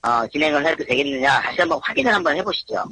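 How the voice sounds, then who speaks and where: A man speaks through an electronic voice disguise that alters his pitch. His tone is bright and tense, and he talks politely with hesitant pauses and fillers. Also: sing-song, dry recording, rough recording. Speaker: victims' representative on a phone call. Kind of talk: casual explanatory phone talk.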